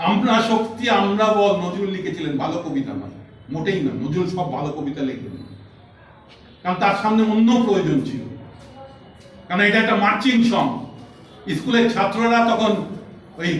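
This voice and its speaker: A man with a high voice speaks at a literary meeting, emphatic and teacherly, reciting lines of poetry as he makes his points. He is picked up from far off in a very echoey hall. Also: fairly bright tone, slight background noise. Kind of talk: lecture speech.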